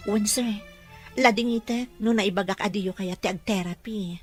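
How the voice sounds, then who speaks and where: A woman with a Filipino Ilocano accent acting a gentle, deferential young caregiver in an audio drama. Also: mid-range voice, moderate pace, soft background music, natural voice. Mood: respectful.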